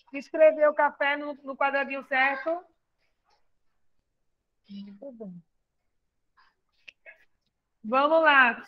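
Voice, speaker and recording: A woman's voice: high voice, muffled recording. A woman teacher with a Brazilian Portuguese accent, patiently explaining a lesson and asking questions. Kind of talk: classroom lesson.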